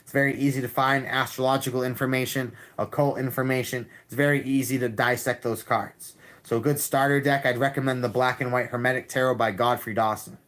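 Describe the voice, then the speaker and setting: A man reading tarot cards on a live stream, talking calmly and repeating himself, with frequent restarts. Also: mid-range voice, fairly quick, hardly any pauses. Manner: calm, repetitive, with many restarts.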